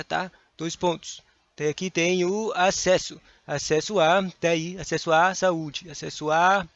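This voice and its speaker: Brazilian guy teaching grammar online, high voice, dry muffled mic, reads examples with punch. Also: no echo. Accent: Brazilian Portuguese. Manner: reads examples aloud in a lively voice, mumbles asides. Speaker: exam-prep teacher. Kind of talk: online grammar lesson, reading and commenting.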